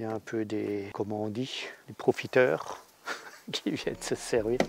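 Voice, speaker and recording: A man with an Alsatian accent and fairly even intonation, dry and close with no echo, music in the background. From Alsace, France. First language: Alsatian (speaking French). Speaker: jam maker. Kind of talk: casual interview. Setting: outdoors.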